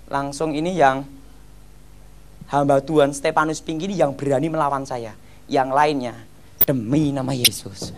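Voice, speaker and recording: Animated man. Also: sits high. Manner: animated storytelling, keeps addressing listeners as "brothers". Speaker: testimony speaker. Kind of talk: church testimony.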